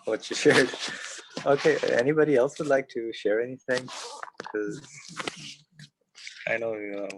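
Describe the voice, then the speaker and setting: A man's voice: medium pitch, measured pace, pauses often, noisy background. A man moderating an informal religious study discussion over a video call.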